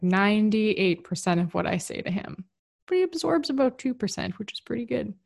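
A woman speaks in a casual, rambling monologue about relationships, frank and unguarded. Her voice sits a little low for a woman. She often restarts her sentences as she talks. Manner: candid, rambling, with frequent restarts. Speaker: relationship and spirituality talker.

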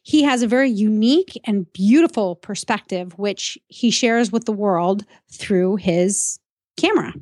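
A woman's voice: medium pitch, measured pace, a little mellow, dry recording, clean studio sound. A woman hosting a radio interview in a chatty, gushing, enthusiastic way. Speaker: radio show host.

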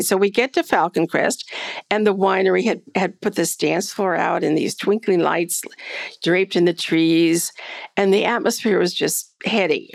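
Gravelly, candid woman telling a story. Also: mid-range voice, no echo. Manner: lively, laughing, candid storyteller. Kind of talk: storytelling in a podcast interview.

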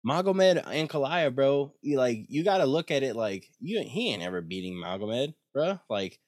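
A man's voice: mid-range voice, sing-song, normal speed, darkish tone, dry recording, studio quality. A young man co-hosting a podcast, chatting loosely about fights with slang and swearing. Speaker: podcast co-host. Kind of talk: casual banter about fights.

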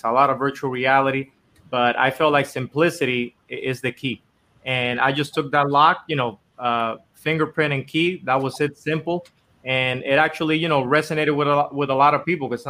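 A man's voice: mid-range voice, sharp tone. A man from the Dominican Republic, a company founder, telling his story in a casual, earnest, rambling interview with many fillers.

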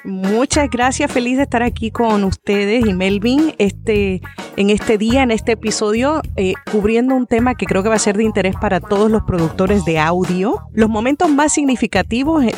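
A woman's voice: mid-range voice, darkish tone. A woman who is a guest on a podcast interview, speaking in a chatty, friendly way with many fillers.

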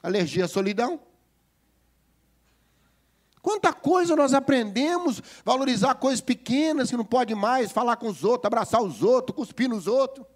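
A man with a Brazilian Portuguese accent preaching a humorous sermon as a pastor, lively and joking, often asking the congregation whether they agree. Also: very high-pitched, normal speed.

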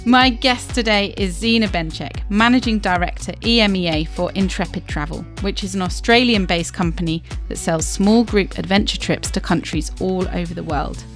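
Woman podcast host, scripted read, smooth delivery, faint music behind. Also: medium pitch, moderate pace, few pauses. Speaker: podcast host, travel journalist.

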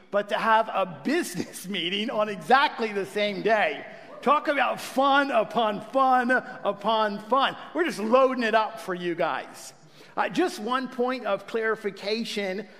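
A man speaking as pastor to his congregation, welcoming them and leading a prayer. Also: sits high. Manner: warm pastoral address with fillers and restarts. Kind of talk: church sermon introduction and prayer. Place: church sanctuary. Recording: church hall reverb.

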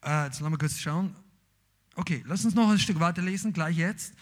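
A man's voice: fairly high pitch, a little fast. A man preaching a sermon, reading scripture aloud and then driving his point home with emphatic, rising outbursts. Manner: emphatic, rising to shouts on key lines.

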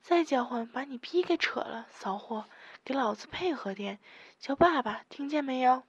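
A woman reads in a rough, bullying man for an adult audio story, barking coarse orders in short bursts. The voice stays high and slightly husky, pushed louder than the narration. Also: animated, normal speed, lo-fi sound, full character voice. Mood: gruff, demanding.

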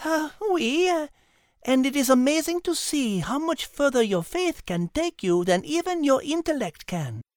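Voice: high voice, lively intonation, normal speed, no room sound, clean studio sound, pitched above the performer's own voice. A performer voicing a clever, confident little female animal with a French accent, speaking precisely in an audiobook story. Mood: composed, teasing.

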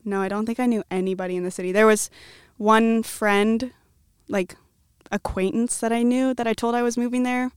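A woman's voice: on the high side, fairly even intonation, normal speed, clean tone, no room sound, clean studio sound. A woman in her twenties from the American Midwest, chatting casually as a podcast guest in an upbeat, talkative way. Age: 20s. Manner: chatty, upbeat, many likes. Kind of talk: casual chat.

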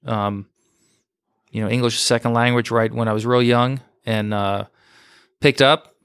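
A man in his forties from New York, a former fighter pilot telling his story as a guest in a casual interview, steady and modest, with many fillers. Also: medium pitch, moderate pace, clear, resonant tone, no echo, studio quality. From United States, New York. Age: 40s.

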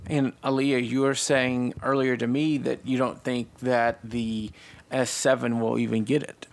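A male podcast co-host with a gravelly, fry-tinged voice at a middle pitch. He talks in a relaxed, casual way and explains things at length. He is the one who steers the discussion. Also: unhurried. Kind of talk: casual tech chat.

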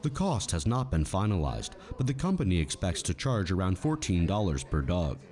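A male news reporter reads his story in a crisp cadence. His voice is very deep, with a lively rise and fall. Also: normal speed.

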